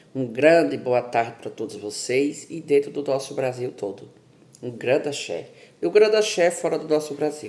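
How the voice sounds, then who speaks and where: A man uses a put-on character voice that is hoarse and fairly high in pitch. He talks at a moderate pace with big swings in loudness. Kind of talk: warm, greeting an audience.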